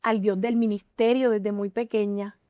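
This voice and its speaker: A woman guest on a Christian TV talk show, telling her testimony in an earnest, emotional way with many pauses and fillers. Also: medium pitch, level tone, warm tone, no echo, studio quality. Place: TV studio.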